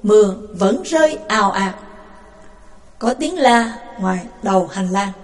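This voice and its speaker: A woman narrating an audiobook story with vivid, expressive delivery. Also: mid-range voice, unhurried.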